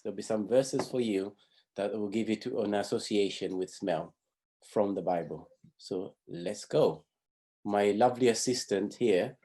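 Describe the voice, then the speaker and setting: A man from Zambia, middle-aged, teaches a pathfinder class. His voice sits low and sounds warm and dark. He explains step by step, and he often repeats or restarts a phrase partway through. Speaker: pathfinder honour instructor. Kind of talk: teaching a class over video.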